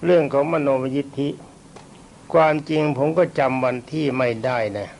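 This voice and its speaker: Gravelly and darkish in tone, with a medium pitch, this elderly monk from Thailand delivers a dharma talk while sick, coughing frequently. He rambles, pokes fun at himself, and stops to remember names and dates.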